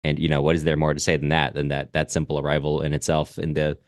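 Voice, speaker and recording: A man co-hosting a reflective literary discussion, speaking in a halting, thoughtful way as he searches for his words. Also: a bass voice, completely flat delivery, no echo, studio quality. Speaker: podcast co-host.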